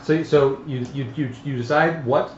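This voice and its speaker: A man's voice: mid-range voice, steady tone, normal speed. A man talking casually as he explains tabletop game rules step by step to the players, somewhat hesitantly. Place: echoey room at a group game table. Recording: roomy, muffled livestream audio with background noise.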